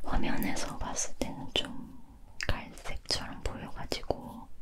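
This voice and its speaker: A woman whispers in a soft-spoken way. Her pace is very slow. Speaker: ASMR creator. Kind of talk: casual chat about making her videos. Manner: soft close-mic ASMR whisper. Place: home room. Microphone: studio mic.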